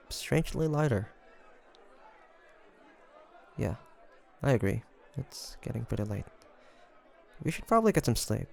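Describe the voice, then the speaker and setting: A man playing a guarded young demon hunter in an intimate audio roleplay, hesitant and confiding, with a softer side showing through. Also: mid-range voice, vocal fry, exaggerated voice. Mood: relieved, sheepish, then flustered, curt.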